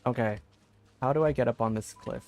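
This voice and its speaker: A man's voice: mid-range voice, brisk. A man streaming a game, giving casual, playful live commentary into a close microphone. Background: game music.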